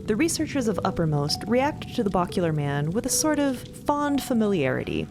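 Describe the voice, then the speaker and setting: A woman's voice: mid-range voice, very animated, normal speed, over music. A woman co-narrating a fantasy audio story in a scripted storytelling style with light banter. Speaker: podcast co-narrator.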